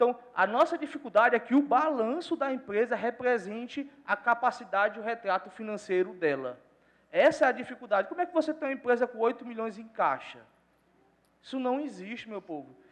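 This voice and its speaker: The pace is fairly quick. Loudness swings widely from moment to moment. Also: man, extremely high pitch for a man. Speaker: accountant. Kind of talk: lecture. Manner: fast; animated.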